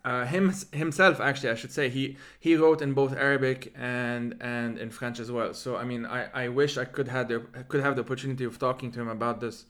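A man's voice: medium pitch, fairly even intonation, a little fast, hardly any pauses, a bit bright. Man with rolled R's, thinking aloud. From Lebanon. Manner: discursive, circling through asides. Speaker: podcast host and interviewer. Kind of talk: reflective conversational interview talk.

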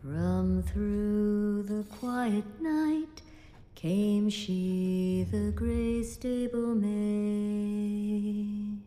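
Slow echoing ballad. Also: female voice, medium pitch, warm tone. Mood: solemn, mournful. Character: crew woman singing a solemn old folk ballad. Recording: long echoing reverb, music behind.

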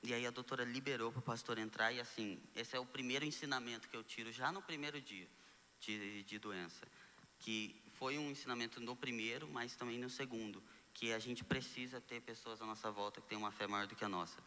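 A young Brazilian man, a guest telling his story in a casual conversation, animated and acting out the dialogue he quotes. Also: mid-range voice, fairly quick, in a large hall. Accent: Brazilian Portuguese. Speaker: guest sharing testimony.

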